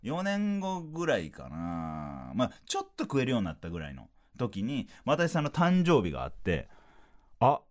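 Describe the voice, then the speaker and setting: A comedian in his thirties with a Kansai Japanese accent, hosting a podcast and telling funny stories alone, acting out bits of dialogue in quick bursts. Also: mid-range voice, huge pitch swings. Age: 30s. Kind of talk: solo comedic storytelling.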